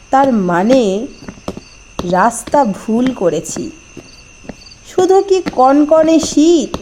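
A woman reading a scripted first-person horror story as narrator, with dramatic, deliberate phrasing and short pauses. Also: high voice, a little mellow, slight background noise.

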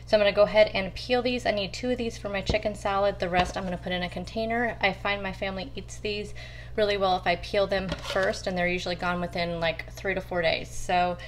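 A woman with a voice on the low side walks viewers through her weekly meal prep at her home kitchen counter, chatting casually and calling them "you guys." A little hiss or hum is audible in the recording.

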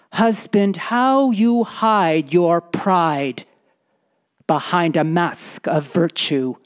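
A poor desert wife, anxious and insistent, as a woman storyteller puts her on. Her voice climbs high and pleading, stressing each plea slowly. She keeps calling out to her husband with mounting urgency. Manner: pleading, repeating "husband" with rising intensity.

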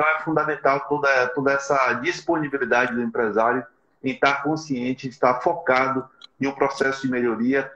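A middle-aged man speaks over a video call from a small room. The sound is echoey and a bit dull, at a medium pitch. He hosts like an earnest motivator, urging listeners on and checking in with short tag questions. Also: sharp tone. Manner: earnest, exhorting, frequently adds tag questions. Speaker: live stream host for a business support agency. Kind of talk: motivational live webinar talk. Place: small plain room indoors. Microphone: video call, device in front of him.

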